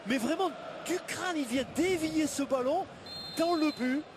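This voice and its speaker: A man giving excited, emphatic football co-commentary, analysing replays and repeating words for emphasis. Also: very high-pitched, measured pace, over music. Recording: loud stadium noise behind the voice. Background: loud stadium ambience.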